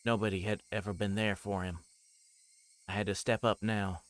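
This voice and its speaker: A man's voice: fairly low pitch, normal speed. A man streaming a visual novel, reading the story aloud live and sometimes stumbling over a line and correcting himself. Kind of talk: live read-aloud of a story game, with asides. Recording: steady noise behind the voice.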